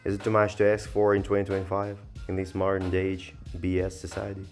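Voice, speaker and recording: Low-voiced man thinking aloud. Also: completely flat delivery, brisk, faint music behind. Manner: rambling, hesitant, thinking aloud. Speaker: software reviewer. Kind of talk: casual screen-recorded review commentary.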